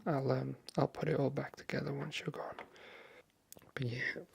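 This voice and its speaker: A man speaking softly and breathily, half whispering in a hesitant, friendly ASMR chat into a close microphone. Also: medium pitch, little pitch movement, normal speed, vocal fry, slight background noise. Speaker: ASMR video creator. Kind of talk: soft-spoken ASMR, friendly chat roleplay.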